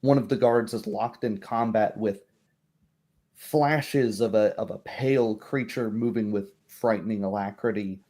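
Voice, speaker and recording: A man narrates a tabletop roleplaying game as game master. His voice sits low and has a dark, mellow tone. He describes scenes in a measured storyteller's way.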